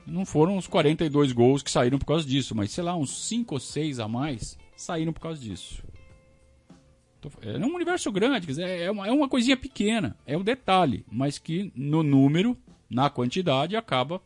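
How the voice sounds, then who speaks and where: A Brazilian man hosting a casual live stream, talking to his audience in an animated, ranting way. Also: fairly high pitch, moderate pace, faint music behind. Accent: Brazilian Portuguese. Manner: animated, talks to the audience, rants and self-questions. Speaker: podcast host reading superchats. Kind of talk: casual live-stream chat about football.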